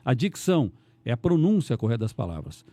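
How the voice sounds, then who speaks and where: Fast-talking rambling male radio announcer. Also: medium pitch, no room sound. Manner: rambling, animated, restarts often. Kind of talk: casual podcast conversation.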